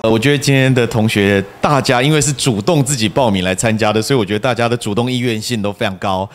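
A man's voice: medium pitch, quick pace. Taiwanese mandarin guy, 40s, acting coach chatting into handheld mic. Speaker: actor and acting instructor being interviewed. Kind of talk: casual interview. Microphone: handheld reporter microphone.

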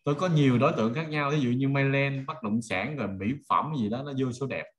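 A man's voice: mid-range voice, quick pace. Conversational Southern Vietnamese man teaching online. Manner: conversational, checks listeners follow with rhetorical questions. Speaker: online marketing trainer. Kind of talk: informal online teaching with everyday examples. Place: indoors on a video call.

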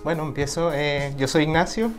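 A man, a guest telling his own story in a relaxed, reflective way in a small office. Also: a little high, normal speed, music in the background. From Venezuela. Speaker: interview guest. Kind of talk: casual personal account.

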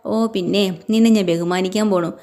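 A woman's voice: mid-range voice, fairly even intonation, moderate pace, natural voice. A woman voicing a curt young man who brushes others off sharply, in a retold family story. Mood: dismissive. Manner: sharp, dismissive.

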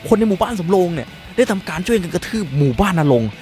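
A man's voice: high-pitched, expressive, racing, darkish tone, soft background music. A man telling a dramatic first-person story in colloquial speech, emphatic and suspenseful.

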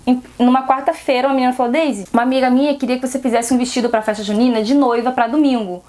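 A woman's voice: high voice, steady tone, rapid-fire, darkish tone. A seamstress with a Brazilian Portuguese accent talks frankly to her viewers in a casual advice vlog, often asking rhetorical questions. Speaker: seamstress vlogger.

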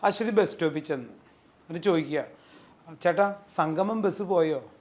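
A male spoken English teacher with a Malayali accent and a high voice. He talks in an animated way, acts out everyday scenes and keeps asking the class "yes or no?". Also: normal speed. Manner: animated, quizzes students with repeated "yes or no?". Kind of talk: classroom lesson with acted examples.

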